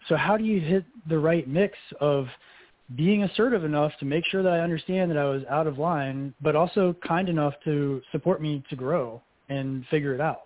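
Measured male radio host on a thin line. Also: a little high, dry recording. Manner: summarizing and probing, measured. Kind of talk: interview questions. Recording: dry phone-like narrow band.

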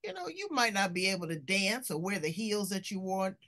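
A woman's voice: mid-range voice, animated, brisk, a bit bright. A woman hosting a talk show, effusive and playful, with an upbeat, rallying way of speaking. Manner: effusive, playful, preachy about purpose. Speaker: show host. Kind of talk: casual interview chat.

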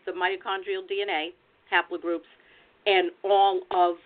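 A woman's voice: on the low side, little pitch movement, moderate pace. Woman explaining genealogy over a tinny call. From United States. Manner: explanatory, practical advice-giving. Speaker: genealogy researcher and presenter. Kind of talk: informative webinar talk. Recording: tinny phone-like online call audio.

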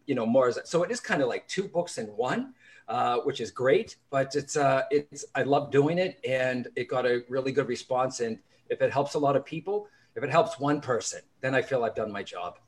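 A man's voice: medium pitch, normal speed. A man with a Boston accent, a guest author talking casually and animatedly in an interview, full of restarts and asides. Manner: chatty, animated storyteller with restarts. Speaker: psychic medium and author, guest.

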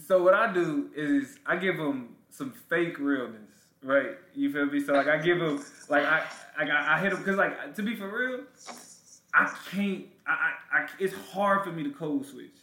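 An African American man talks in casual, slangy podcast chat. His voice sits a bit high for a man. He repeats words as he works out a point, and the room around him is echoey. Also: measured pace, sharp tone. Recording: roomy, echoey sound.

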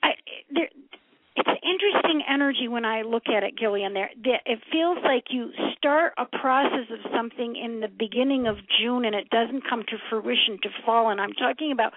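A middle-aged woman from upstate New York giving a live psychic reading on a call-in show, halting as she thinks aloud and addressing callers with familiar endearments. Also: on the high side. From upstate New York, United States. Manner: familiar, calls callers hon and sweetie. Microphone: telephone. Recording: narrow, tinny phone-line sound.

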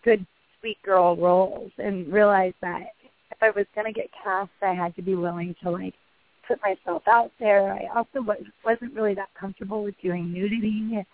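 A woman in her thirties with a husky voice, an actress guest talking casually in a rambling, chatty way with many restarts. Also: medium pitch, fairly even intonation, normal speed. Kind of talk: phone interview. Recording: tinny phone line.

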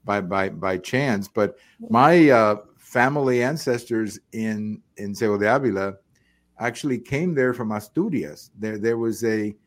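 An older man born in Cuba hosting a casual interview, speaking haltingly with many restarts and repeated words. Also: lowish voice. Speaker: host.

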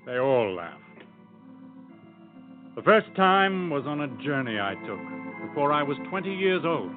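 An actor playing a determined, earnest young sailor who believes the world is round, in the style of old-time radio drama. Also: male voice, a little high, measured pace. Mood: solemn. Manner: earnest, steady, quietly insistent. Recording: tinny lo-fi recording with organ music.

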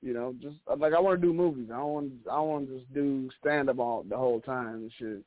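A man's voice: medium pitch, quick pace, dry recording. A man of about thirty from Chicago, a stand-up comedian telling rambling, profane stories as a guest. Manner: animated, profane, rambling storyteller. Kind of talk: casual interview storytelling. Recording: dry, phone-like narrow sound.

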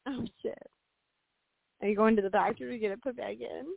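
A woman co-hosts a radio show in casual, conversational banter. Her voice sits a little high. The sound is thin and tinny, like a phone call. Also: fairly even intonation, fairly quick, vocal fry, no room sound. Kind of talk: casual banter, short reactions.

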